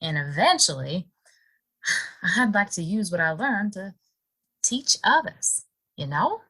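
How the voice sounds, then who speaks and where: A woman's voice: mid-range voice, sing-song, takes it slowly, bright, forceful tone, husky, heavily acted, low-quality recording. Lady acting a wistful young saloon girl in a western, voice goes up and down a lot, kinda hesitant. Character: wistful young saloon woman, curious, yearning for better life. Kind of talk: Western audio drama acting.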